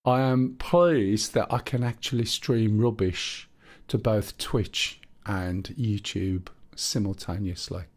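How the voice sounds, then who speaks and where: A man's voice: on the low side, slow pace. A man with a Black Country accent chatting casually while live-streaming a flight game and reading viewer chat aloud.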